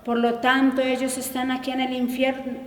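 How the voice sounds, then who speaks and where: A woman preacher tells her testimony earnestly, pressing each point home. Her high voice keeps to a narrow, steady range. Long reverb from a hall hangs on every phrase. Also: normal speed. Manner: earnest, insistent storytelling. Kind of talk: sermon testimony.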